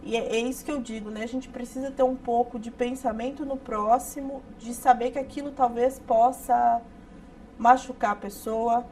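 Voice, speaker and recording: A woman hosting a television interview who asks quick, emphatic questions. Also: on the high side, fairly even intonation, a little mellow, a little hiss or hum. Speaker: TV interview host.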